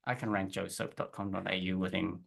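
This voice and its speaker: There's vocal fry in this deep, fairly quick voice belonging to a South African business owner in his forties. As an interview guest he shares his story casually, restarting phrases and leaning on fillers.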